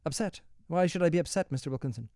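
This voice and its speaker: A man playing a sardonic young swindler, cool dry delivery, lively tone, close dry sound. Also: on the high side, fast talker, no echo, voice pushed up. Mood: wry.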